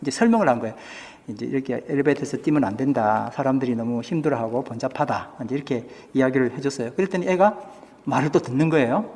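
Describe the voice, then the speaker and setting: A man's voice: medium pitch, fast talker, a little mellow. A male pastor preaching a sermon, putting questions to the congregation and acting out what people say. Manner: asks the congregation questions, acts out quoted speech. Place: church. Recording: church hall with long reverb.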